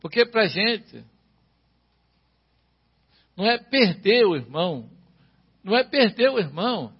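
A man's voice: high-pitched, big pitch swings, slow, breathy edge, muffled recording. A man preaching a sermon as pastor, asking his listeners the same questions again and again. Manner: preaching with repeated rhetorical questions.

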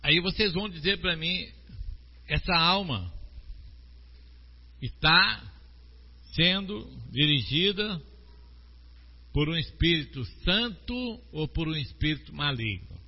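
A man with a Brazilian Portuguese accent preaching a sermon slowly and with emphasis, asking his congregation questions. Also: fairly high pitch, lively intonation. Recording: long hall reverb, dull lo-fi sound.

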